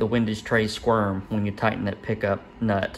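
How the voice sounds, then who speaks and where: A man with a rural Kentucky accent and monotone, flat intonation, over light background noise. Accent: Kentucky rural Southern. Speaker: engine builder. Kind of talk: how-to narration over workshop footage. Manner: casual, halting with fillers. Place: workshop. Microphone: phone near.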